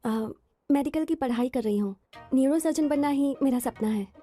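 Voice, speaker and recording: A woman dubbing a proud young female medical student with a sharp, indignant manner. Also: high voice, normal speed, soft background music. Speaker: hero's girlfriend, medical student. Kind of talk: Hindi film dub.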